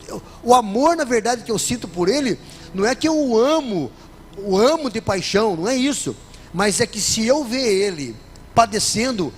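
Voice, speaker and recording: A man's voice: high voice, slight background noise. A man with a Brazilian Portuguese accent preaching a sermon to his congregation in church, often asking them for an amen. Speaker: pastor. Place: church service.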